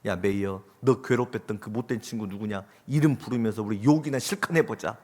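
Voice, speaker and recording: A man preaching acts out a wise mother softly coaxing her hurt son, in a church hall with a long reverb. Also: fairly low pitch, fairly quick, lightly acted.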